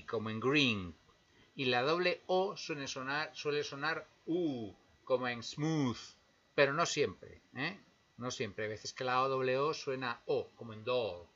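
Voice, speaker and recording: A man's voice: mid-range voice, pushed and bright. A man teaching English pronunciation, patiently repeating example words and checking in with the listener. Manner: patient, repeats words slowly with tag questions. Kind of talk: explanatory lesson. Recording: dull lo-fi sound.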